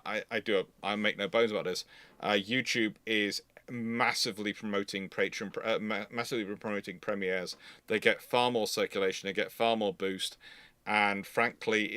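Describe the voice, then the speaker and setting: Male streamer, bright voice in a dry space, informal and digressive. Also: on the low side, smooth, no room sound. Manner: rambling, digressive. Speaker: live stream host. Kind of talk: casual livestream chat.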